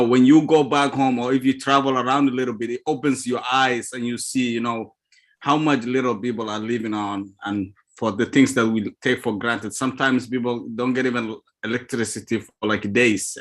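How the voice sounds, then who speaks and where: A man from Ethiopia speaking on a video call, giving an earnest, halting personal testimony with frequent restarts. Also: medium pitch. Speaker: call participant.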